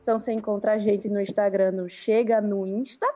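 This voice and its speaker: A woman's voice: mid-range voice, little pitch movement, fairly quick, warm tone, faint music behind. A woman with a northeastern Brazilian accent from Recife, chatting casually as a guest on a podcast.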